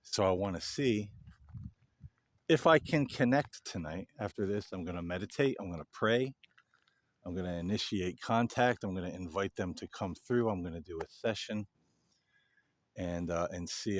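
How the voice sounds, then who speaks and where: A man hosting a paranormal video, talking casually and earnestly to viewers in halting phrases. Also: sits low, no echo. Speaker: paranormal investigator, video host. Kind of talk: casual explanatory monologue to viewers.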